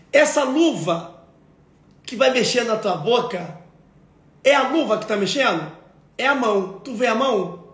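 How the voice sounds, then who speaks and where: Over noticeable background noise and audible room echo, a man speaks high in pitch with an animated tone and lively intonation. He leaves long, frequent pauses. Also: fairly slow pace. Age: 30s. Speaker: pastor. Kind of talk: sermon. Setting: live stream on social media.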